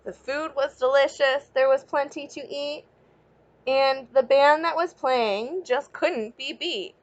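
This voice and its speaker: Female storybook reader, teacher type, highish voice, expressive, addresses kids directly; dull lo-fi sound. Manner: expressive, pausing to ask young listeners questions and explain. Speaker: teacher reading a picture book aloud. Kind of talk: children's storybook read-aloud with asides to listeners.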